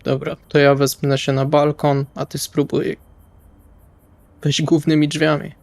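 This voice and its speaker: A man's voice: a little high, little pitch movement, unhurried, darkish tone, no echo. A man playing a tabletop role-playing game, improvising dialogue and narrating his actions casually in colloquial speech. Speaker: tabletop RPG player.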